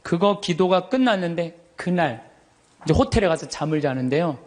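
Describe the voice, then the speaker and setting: Animated, high-voiced Korean priest preaching. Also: male voice, normal speed. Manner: animated, acts out quoted voices, laughs often. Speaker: Catholic priest. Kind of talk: lively storytelling sermon.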